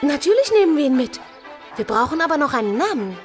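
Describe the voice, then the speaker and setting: A woman's voice: high-pitched, big pitch swings, fast talker. An actress playing a bold, perky orphan girl in an audio drama, chirpy and matter-of-fact. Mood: delighted, tender. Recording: music behind the voice.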